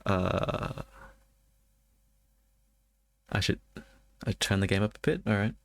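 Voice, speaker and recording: A man's voice: lowish voice, expressive, moderate pace, vocal fry, no room sound. A man doing a let's play, reading game text aloud and adding casual, wry asides to his chat. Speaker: game streamer.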